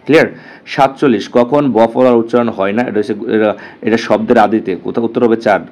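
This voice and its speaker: A man teaching an exam-prep lesson, quickly going through answers, repeating them and checking with his students. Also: medium pitch, fairly even intonation, a little mellow.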